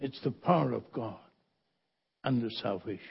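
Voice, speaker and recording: A man with a Scottish accent. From Scotland. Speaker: pastor. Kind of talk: sermon. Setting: church.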